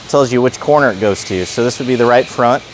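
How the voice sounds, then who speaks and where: The audio is poor, with a little hiss or hum, as a fast-talking man with a mid-range voice demonstrates a product. He's a race car builder, presenting casually and plainly in an unscripted, hands-on shop style.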